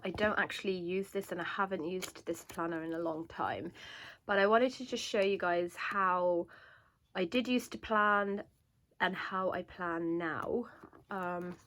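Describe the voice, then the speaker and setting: A woman's voice: fairly low pitch, a bit bright, a little hiss or hum. A woman with a sore, congested throat, chatting casually to camera about her planner, with lots of fillers. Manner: chatty, many fillers and restarts. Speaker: homeschooling parent vlogger. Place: indoors at a table. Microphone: camera above a desk, hands only in frame.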